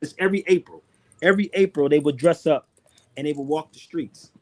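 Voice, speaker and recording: Laid back guy joking around on a webcam call, kinda high voice, lots of slang. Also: fairly quick. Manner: loose, joking slang-filled storytelling. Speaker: guest. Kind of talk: casual video call chat.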